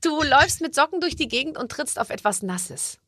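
A woman's voice: high voice, very animated, fairly quick, sharp tone, no echo. A woman hosting a podcast, leading a casual chat with playful, teasing jokes. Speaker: podcast host.

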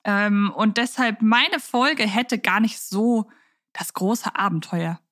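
A woman's voice: mid-range voice, takes it slowly, a bit bright, no echo, studio quality. A woman co-hosting a podcast in a chatty, wordy way, repeating words for emphasis. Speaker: podcast co-host. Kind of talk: chatty fan podcast moderation.

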